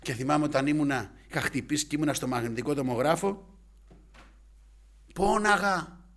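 Fervor drives this man's sermon, as he moves between quiet asides and loud outbursts, often adding brief interjections. He speaks at a medium pitch.

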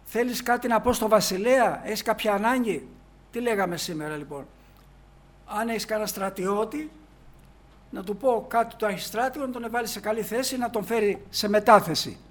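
A man preaching in a storytelling way, reading old scripture verses slowly and then explaining them in everyday speech, with many "he says" asides. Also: high voice, fairly bright tone. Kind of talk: sermon retelling a Bible story.

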